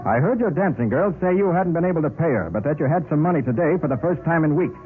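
A man acting a confident, authoritative private detective in an old radio mystery. He talks quickly with a lively, varied pitch. The recording is tinny and faintly hissy. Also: natural voice. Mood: commanding. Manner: authoritative, crisp orders. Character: brisk, confident, commanding master private detective.

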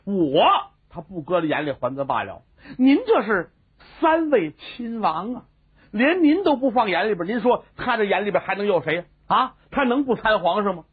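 A man's voice: sits high, very animated, normal speed, husky, heavily acted. A man doing a fawning scheming court minister. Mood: sly. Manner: wheedling and needling. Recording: tinny phone-like sound.

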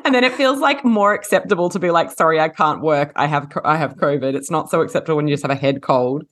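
A woman co-hosting a casual chat podcast, chatty and laughing often, a little husky from a head cold. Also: low-pitched, fast. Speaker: podcast co-host.

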